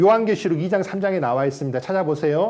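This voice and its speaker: A high-pitched man speaks with lively intonation and an animated tone. There is noticeable background noise and audible room echo. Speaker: pastor. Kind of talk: lecture. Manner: fast.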